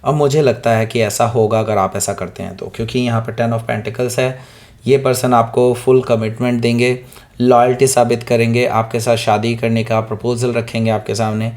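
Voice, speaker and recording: Hoarse man giving a tarot reading. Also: medium pitch, little pitch movement, moderate pace, darkish tone. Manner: keeps asking "okay?" to the listener, mixes in English words. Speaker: tarot reader. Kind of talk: weekly tarot reading to camera.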